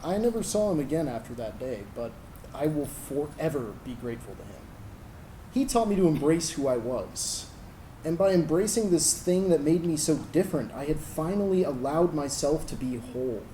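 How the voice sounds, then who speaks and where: Earnest young gay man, acted by a man, lightish pitch, soft-toned, tender stage storytelling. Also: animated, moderate pace, a little hiss or hum, close to an everyday voice, poor audio. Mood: grateful. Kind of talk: dramatic monologue in a staged reading.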